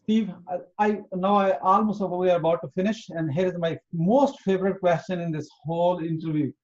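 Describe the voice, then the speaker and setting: A man from Pakistan hosting an interview, speaking earnestly and emphatically and spelling out his points slowly. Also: sits high, steady tone, a little mellow. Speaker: interview host. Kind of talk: motivational interview. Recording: dull lo-fi audio.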